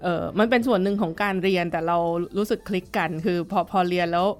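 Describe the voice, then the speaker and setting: A woman's voice: medium pitch, fast. A middle-aged woman violin teacher recalling her past in a casual interview, talking thoughtfully with many fillers and restarts.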